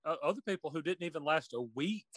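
A man co-hosting a podcast who talks in casual chat with dry, self-mocking deadpan humor. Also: fairly high pitch, fast talker, no room sound. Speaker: podcast co-host.

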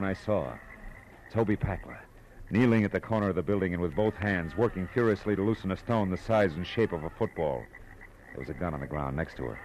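An actor playing a tough, brusque American private detective in an old radio drama, clipped and wry. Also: male voice, sits low, slight background noise, lightly acted, poor audio. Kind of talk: 1940s American radio drama, narration and dialogue.

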